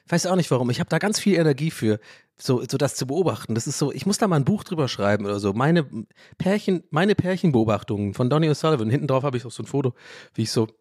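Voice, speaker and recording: A man hosting a podcast, talking in a rambling, animated way, often interrupting himself and laughing. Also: mid-range voice, quick pace, husky, dry recording, clean studio sound. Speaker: podcast host. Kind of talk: casual podcast monologue.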